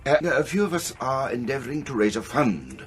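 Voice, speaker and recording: An actor playing a polite, hesitant gentleman collecting for charity in a radio drama, courteous and formal. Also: mid-range voice, very animated, a little fast, crowd noise, natural voice. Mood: earnest, genial.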